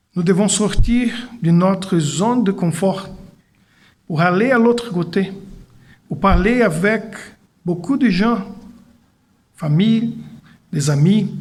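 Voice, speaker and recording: A man with a Brazilian accent talks at a very slow pace with long, frequent pauses, his pitch high and ordinary in variation. Audible room echo surrounds the recording. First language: Portuguese (speaking French). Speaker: preacher. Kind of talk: sermon. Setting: church. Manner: halting non-native French.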